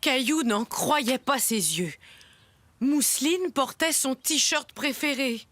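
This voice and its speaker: A woman playing a kindly storyteller, narrating a children's cartoon tale in a gentle, expressive manner. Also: high voice, slow, dry recording, heavily acted.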